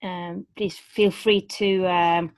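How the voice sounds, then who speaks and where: Teaching a webinar over a video call, a Norwegian-accented vocal coach talks chattily with many fillers and restarts while working around a bitten tongue. Her voice is lowish, level and slow, and the recording is dry.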